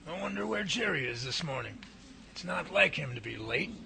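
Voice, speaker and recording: A man's voice: fairly high pitch, sing-song, moderate pace, gravelly, bright, forceful tone, heavily acted. An actor in a hobby radio drama playing a folksy, curious older male professor who teases and asks questions, over a noisy recording. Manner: folksy and inquisitive.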